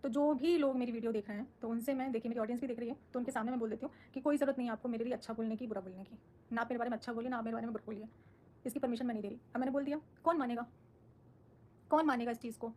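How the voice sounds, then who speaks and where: A woman's voice: a little high, fairly even intonation, very fast, mellow, a little hiss or hum. A woman on a live stream, answering her viewers' comments in a firm, defensive, outspoken way. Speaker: social media creator on a live stream.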